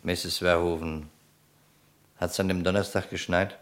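A man's voice: low voice, little pitch movement, a little slow, a bit bright. An actor playing a persistent police detective in a German radio crime play, formal and methodical in his questioning. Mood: pressing.

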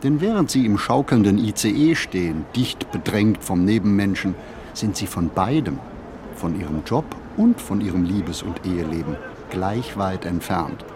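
A man playing a pensive city wanderer in a radio play, narrating a literary monologue with deliberate, measured phrasing and pauses. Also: sits low, expressive, noisy background. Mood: reflective. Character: pensive male city wanderer musing on modern life. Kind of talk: scripted literary monologue, reflective first-person narration.

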